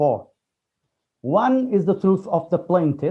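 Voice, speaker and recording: Here a man talks with a Portuguese accent at a fairly slow pace. His pitch is high and his intonation lively. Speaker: law professor. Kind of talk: panel discussion answer. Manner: halting.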